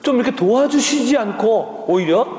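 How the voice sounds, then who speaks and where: Very high-voiced preacher in an echoing hall. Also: male voice, normal speed. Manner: animated storytelling with frequent tag questions. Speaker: missionary preacher. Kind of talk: sermon. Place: church sanctuary. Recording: echoey hall with long reverb.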